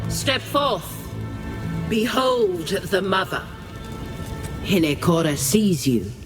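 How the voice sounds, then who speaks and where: In a fantasy video game, a male actor plays a tribal herald who is solemn, reverent, formal and ceremonial. His voice sits high and is exaggerated.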